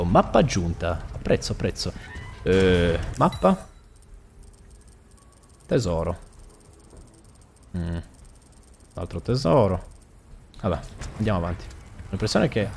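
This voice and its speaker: A young man giving joking gameplay commentary and mocking the enemies on screen. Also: fairly high pitch. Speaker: gaming YouTuber.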